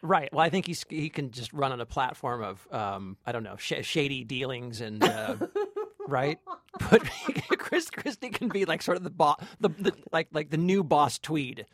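A man co-hosting a film review podcast as a critic, chatting casually and haltingly as he searches for phrasing. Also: a little high, sing-song, a bit bright, no echo, clean studio sound. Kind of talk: casual movie review chat.

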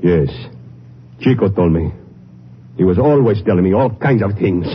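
Weary boxing manager, slightly deep, plain-spoken, subdued, 1950s radio acting, faint hiss. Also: male voice, expressive, moderate pace. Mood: subdued, regretful. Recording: muffled, faintly noisy 1950s radio recording.

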